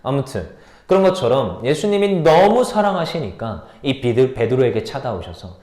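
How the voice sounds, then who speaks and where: A man's voice: mid-range voice, big pitch swings, moderate pace, darkish tone, reverberant. A man, a junior pastor, preaching a sermon in a conversational way and often asking his listeners questions.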